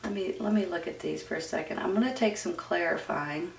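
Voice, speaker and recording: A woman's voice: fairly low pitch, fairly quick, gravelly, slight background noise. A woman giving a casual, conversational tarot reading, speaking informally and directly to her viewers. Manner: informal, addresses viewers as "you guys", seeks agreement. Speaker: tarot reader and host. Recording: roomy echo, distant from the mic.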